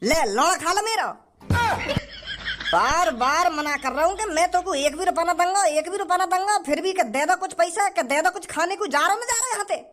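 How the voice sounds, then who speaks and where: A man's voice: very high-pitched, expressive, a little fast, pushed and bright, soft background music, heavily acted. A man voicing a stingy, rude male shopkeeper. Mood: scornful. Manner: scornful, rustic dialect.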